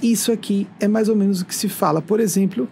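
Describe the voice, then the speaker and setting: This man in his forties from northeastern Brazil is a spiritual speaker talking to his viewers in a conversational monologue. He tells stories in a lively way, acting out quoted dialogue, with a high, creaky voice and a fast delivery against slight background noise.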